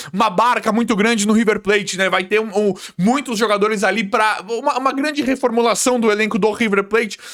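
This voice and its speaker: An animated tone at a moderate pace, over noticeable background noise. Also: man. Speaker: football YouTuber commentator. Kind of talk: casual video commentary.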